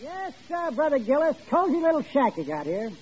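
An actor playing an officious working-class lodge brother in an old-time radio sitcom, with pompous, ungrammatical phrasing. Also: male voice, extremely high pitch, big pitch swings, brisk, a little mellow. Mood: officious, wry. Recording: dull vintage radio recording, faint noise, audience.

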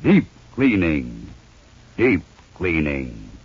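A man chanting a slow slogan as an announcer on an old-time radio show, heard through a muffled old radio transcription. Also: rumbling low, sing-song, slightly rough.

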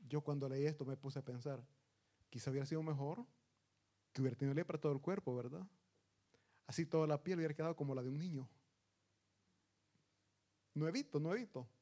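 Male preacher, earnest and emphatic sermon delivery, voice sitting a bit high. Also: fairly quick, long pauses, warm tone. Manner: earnest and emphatic, addresses listeners as brothers.

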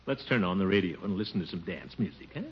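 A man's voice: sits low, animated, quick pace. An actor playing a pompous middle-aged bachelor courting his sweetheart in a 1950s radio sitcom, dull old broadcast sound. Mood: coaxing. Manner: coaxing, blustery. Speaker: title character.

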